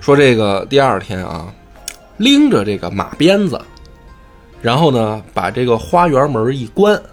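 A man who hosts a podcast, retelling a classic novel in animated, colloquial chat and swearing freely. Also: mid-range voice, unhurried, faint music behind. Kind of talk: casual storytelling chat.

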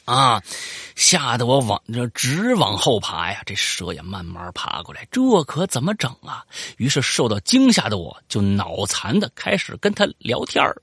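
A host with a medium-pitched, creaky voice that has a breathy edge reads out a listener's story at a moderate pace, chatting and joking about it. He swears, performs quoted lines in character voices, and rambles with frequent fillers and repeats, all in an animated way. Recorded in studio quality without echo.

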